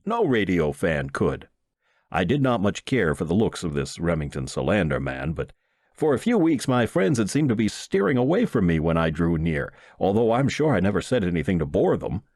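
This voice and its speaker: Low-voiced man reading with lively intonation. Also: no room sound, clean studio sound. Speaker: audiobook narrator and reader. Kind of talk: scripted narration of a humorous short story.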